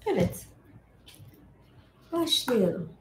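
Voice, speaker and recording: A woman's voice: fairly high pitch, big pitch swings, extremely slow, creaky. A middle-aged woman hosting an informal storytelling stream, reading and retelling myths in a chatty, digressive way with asides. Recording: echoey room with faint background noise.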